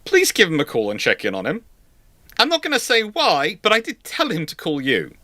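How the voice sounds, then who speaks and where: A man hosting an unscripted live panel discussion, speaking haltingly and rephrasing as he goes. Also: sits high, huge pitch swings, pushed and bright. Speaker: host of a live question panel.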